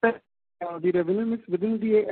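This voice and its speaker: A man calling in on a conference line whose audio keeps breaking up, speaking in halting, cut-off phrases. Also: sits high, fairly even intonation, dry recording. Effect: glitchy, breaking-up phone audio. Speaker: caller asking a question. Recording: tinny, glitchy conference-call line.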